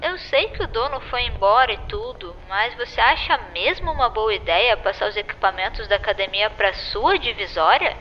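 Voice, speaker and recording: A woman's voice: on the high side, expressive, moderate pace, hardly any pauses, in a large hall, highs cut off, a little hiss or hum, lightly acted. A woman playing a nervous, rambling young woman. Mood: worried. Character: worried young woman leaving a voicemail.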